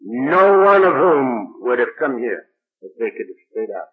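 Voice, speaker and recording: An older man speaks to a recovery meeting in a folksy, plain-spoken way, dramatizing the people in his story. His voice is husky and sits at a middling pitch. The recording is dull and muffled, like an old tape. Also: sing-song, unhurried. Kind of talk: storytelling talk to an audience.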